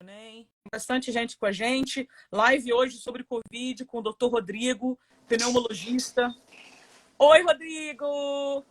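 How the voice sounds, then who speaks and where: A woman's voice: on the high side, slow, rough recording. A woman hosting a live stream, chatty and upbeat, rattling off topic lists in a casual way. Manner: chatty, repetitive list-making, upbeat. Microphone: webcam or phone for live stream.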